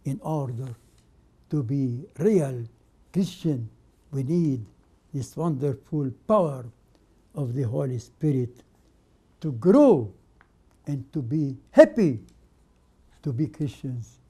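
An older man whose first language is Arabic, presenting a religious program as a patriarch and giving a sermon in short, emphatic phrases with many pauses. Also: mid-range voice, animated, mellow, husky. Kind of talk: slow spoken sermon.

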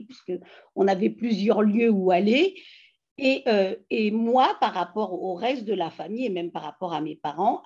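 A woman's voice: medium pitch, creaky, slightly rough. A woman in her fifties from France, telling her life story animatedly in a casual video-call interview from home. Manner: animated, emphatic storytelling with many fillers. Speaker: interviewee, feminist activist. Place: home living room. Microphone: laptop webcam mic on video call. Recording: dull lo-fi video call audio.

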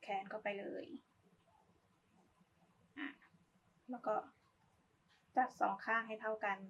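A woman's voice: mid-range voice, fairly bright tone, lo-fi sound, a little hiss or hum. A woman giving a casual, polite step-by-step craft tutorial, talking as she demonstrates. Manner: informal, polite, talks while demonstrating.

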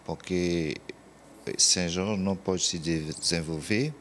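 Deep-voiced man speaking haltingly. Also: fairly bright tone, a little hiss or hum. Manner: halting, restarts often. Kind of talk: interview soundbite.

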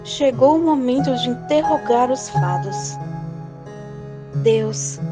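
A woman's voice: high-pitched, animated, slow, over loud music. A woman with a Brazilian accent acting an imperious, mocking sibyl priestess in an audio drama. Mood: commanding, mocking.

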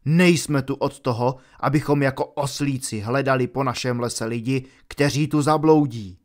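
A man voicing a proud, angry male centaur in an audiobook, booming and scolding. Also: fairly even intonation, close to an everyday voice. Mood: furious. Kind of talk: audiobook character voice.

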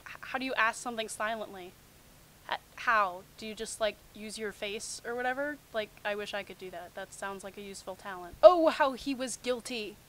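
A woman's voice: medium pitch, normal speed, rough recording. A young adult woman hosting a mocking read-aloud of fan fiction, with sarcastic, incredulous asides. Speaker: host of a comic fan fiction reading series.

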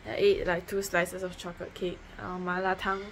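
A woman's voice: on the low side, level tone, normal speed, fairly bright tone. A young woman chatting casually into a phone at home, matter-of-fact and rambling, with lots of fillers and restarts. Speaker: vlogger. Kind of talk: casual diet vlog to camera. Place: home, indoors. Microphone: phone held close at arm's length. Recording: noisy home phone recording.

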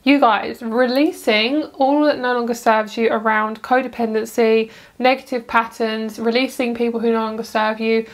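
A woman giving a casual tarot reading, chatty and rambling, breaking off into asides. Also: fairly high pitch. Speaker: tarot reader.

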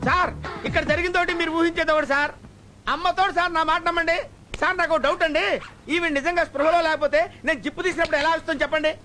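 A cringing comic servant, whining and pleading in a high, bright voice at a quick clip. He wisecracks his way out of trouble, with a film score running underneath. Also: level tone, a little hiss or hum. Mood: wheedling. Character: cringing comic male servant, whiny, scheming. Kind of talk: comedic Telugu film dialogue.

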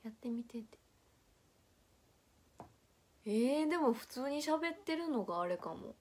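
A woman's voice: a little high, animated, a little slow, a little mellow. A young woman from Nara with a Kansai accent, chatting casually on a livestream and reading viewer comments aloud with frequent laughter. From Nara, Japan. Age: young adult. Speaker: idol livestream host.

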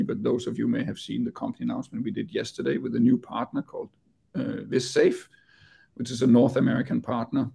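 Danish businessman presenting to investors on a video call; raspy, gravelly voice, halting delivery. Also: mid-range voice, mellow. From Denmark. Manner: hesitant, repeats words while speaking. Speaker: company executive.

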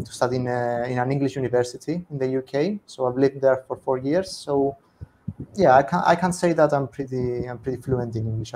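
A man's voice: medium pitch, a little hiss or hum, low-quality recording. Young Cypriot man, Greek accent. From Cyprus. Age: young adult. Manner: relaxed, thoughtful, self-correcting. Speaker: guest. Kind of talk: casual video-call interview. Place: home room. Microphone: earphone headset on a video call.

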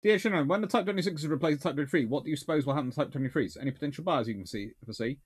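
A man's voice: on the high side, racing, husky. Rambling bearded man in a book-lined study. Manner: rambling, self-correcting, musing aloud. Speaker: naval historian answering viewer questions. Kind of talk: casual livestream Q&A. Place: small home study lined with books.

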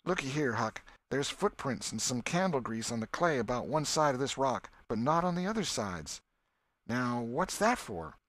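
A man's voice: mid-range voice, normal speed, dry recording, voice pushed up. A man reading an audiobook, voicing an eager, bossy boy who leads a gang and lectures his friend. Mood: puzzling. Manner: excited, bossy, know-it-all. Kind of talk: audiobook character voice.

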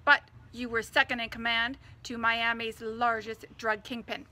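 A woman's voice: on the high side, flat delivery, moderate pace, sharp tone. A woman playing a pointed, challenging TV interviewer in a parody news sketch.

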